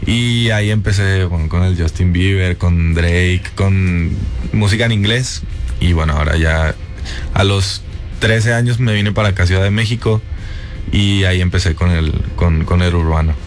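A man's voice: sits low, moderate pace, soft background music. A young man who grew up in Spain, a guest musician, chatting casually and laughing easily in a radio interview. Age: young adult. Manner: relaxed, laughs easily, many fillers.

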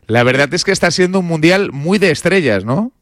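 A man from Spain hosts a sports radio interview, his voice a little higher than most men's. He asks questions in an easy, encouraging tone, and the sound is dry with no room echo. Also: expressive, fairly quick, a bit bright. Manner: friendly, encouraging questions with fillers.

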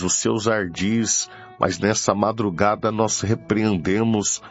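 Slow, gravelly Brazilian man praying. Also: on the low side. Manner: repetitive, pleading, with frequent devotional interjections. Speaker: preacher leading prayer. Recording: dull lo-fi audio with music behind. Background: music.

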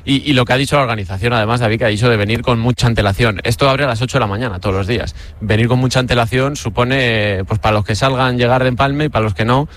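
Spanish guy from spain doing a live radio report, talks fast, chatty, keeps repeating himself. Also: medium pitch, fairly even intonation, a bit bright.

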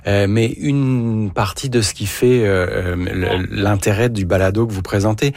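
A man's voice: fairly low pitch, measured pace, darkish tone, dry recording. A man hosting a radio show, introducing a guest in a conversational way with some fillers. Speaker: radio host. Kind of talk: radio interview.

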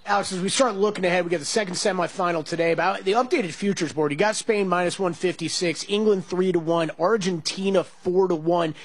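A man co-hosting a sports talk show, asking quick questions that stumble a little. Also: high voice, slightly rough. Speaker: co-host.

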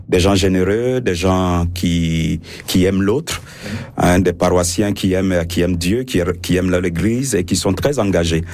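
Low-voiced priest, halting delivery. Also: male voice, darkish tone. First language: French. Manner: hesitant, many fillers and restarts. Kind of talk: radio interview.

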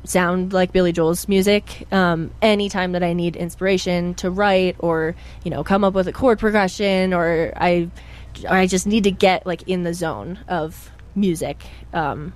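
Young woman guest, chatty and bubbly, pitched a little low, casual interview. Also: steady tone, normal speed. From Pennsylvania. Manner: bubbly, chatty, full of fillers. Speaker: guest musician.

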